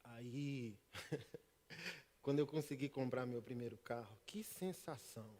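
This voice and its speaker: A middle-aged man from Northeast Brazil preaching a sermon, telling stories and swinging between hushed and loud. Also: medium pitch, unhurried. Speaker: pastor. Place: church service. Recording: reverberant church hall.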